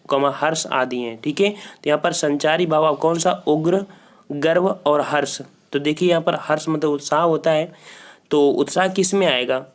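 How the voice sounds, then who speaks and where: A man walking students through exam questions as a teacher. He repeats each answer and keeps saying "theek hai" as a filler. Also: fairly high pitch. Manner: repeats answers, frequent "ठीक है" fillers, talks to students directly. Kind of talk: Hindi grammar quiz walkthrough.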